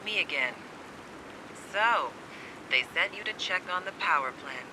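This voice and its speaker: A man's voice: high-pitched, lively intonation, measured pace, noisy background. A man playing a wary, secretive survivor in a video game, terse, guarded and cynical, with blunt urgency. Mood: guarded, wry. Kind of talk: dramatic video game acting.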